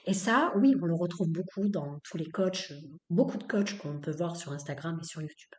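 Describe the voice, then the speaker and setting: Female podcast host, low mellow voice, blunt and emphatic, echoey room. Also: animated, moderate pace. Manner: emphatic, repetitive, with many fillers; blunt, opinionated. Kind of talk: spoken-word episode.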